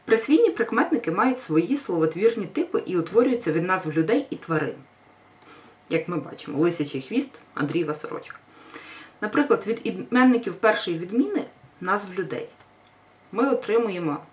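A woman's voice: mid-range voice, expressive, moderate pace, darkish tone. A woman teacher giving a grammar lesson, patient and reassuring, stressing each example word. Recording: voice a bit far from mic.

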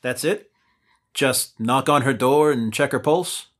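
A man's voice: medium pitch, unhurried, close to an everyday voice. An actor playing a weary young man who keeps his two bumbling companions in line, with an exasperated straight-man delivery. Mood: polite. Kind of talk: audio drama acting.

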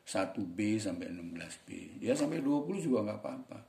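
A man teaching English in a chatty, encouraging way, sometimes reading English lines slowly and deliberately. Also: lowish voice, sing-song, gravelly, dark tone, reverberant. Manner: chatty, encouraging, colloquial Jakarta slang. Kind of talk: casual spoken English lesson.

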